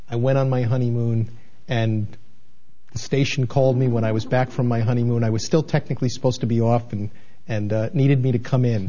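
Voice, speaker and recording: A man's voice: mid-range voice, mellow, muffled recording. A man in his sixties from New England, a television manager answering interview questions in an earnest, rambling way full of restarts. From New England, United States. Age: 60s. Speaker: television station manager, guest. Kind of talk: candid interview conversation.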